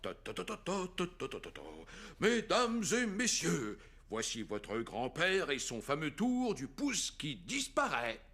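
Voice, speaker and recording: A man's voice: a little high, wildly swooping pitch, unhurried, fairly bright tone, heavily acted. A man playing a jolly, playful old grandfather in a French-dubbed children's cartoon, theatrical in his delivery. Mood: playful showmanship.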